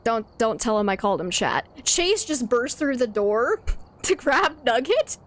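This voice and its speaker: A woman's voice: fairly high pitch, sing-song, unhurried. A woman streaming a video game, chatting casually with her viewers, laughing often and reading out their messages. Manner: chatty, laughs often, reads chat aloud. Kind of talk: casual gameplay stream chat.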